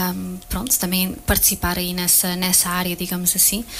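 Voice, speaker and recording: A woman at a moderate pace. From Belgium, Portuguese family. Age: 20s. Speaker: singer and songwriter. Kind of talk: radio interview. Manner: halting, many fillers.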